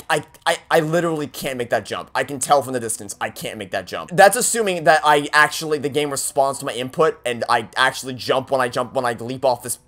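A man's voice: medium pitch, fairly bright tone. A man giving casual gaming commentary in an exasperated, sweary way, repeating words anxiously. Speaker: video game streamer.

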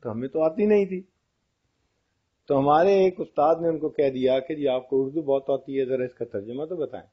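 Man, Islamic lecturer, humorous anecdotes, breathy voice, muffled recording. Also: mid-range voice. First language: Pashto-region colleagues mentioned, not him. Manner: storytelling, asks the audience questions. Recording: dull lo-fi audio.

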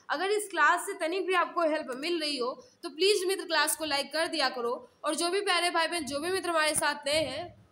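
A woman with a high, bright, forceful voice runs an online exam class. She reads the mock-test questions aloud, walks through the answers, and repeats key phrases so her viewers catch them.

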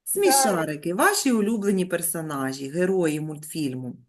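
Woman teacher leading an online lesson for small children, lively rising and falling voice, gentle praise. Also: lowish voice, moderate pace. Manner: patient, coaxing, praises with pet names. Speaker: primary school teacher.

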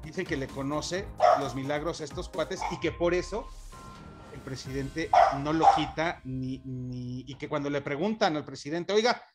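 A man's voice: fairly high pitch, over loud music. Slangy Mexican man, chatty co-host. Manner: slangy, rambling, many filler pauses. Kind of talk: casual political gossip chat.

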